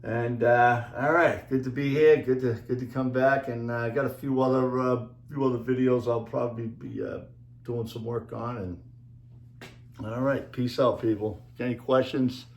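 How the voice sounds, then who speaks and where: A man with a Boston accent rambling through a casual monologue, halting often with fillers as he talks over slides. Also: mid-range voice, steady tone, reverberant. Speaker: video creator and author.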